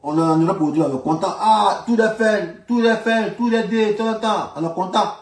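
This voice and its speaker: A man's voice: sits high, moderate pace. A man with an Ivorian French accent giving informal political commentary, insisting on his points and repeating his phrases emphatically. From Ivory Coast. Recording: roomy echo, distant from the mic.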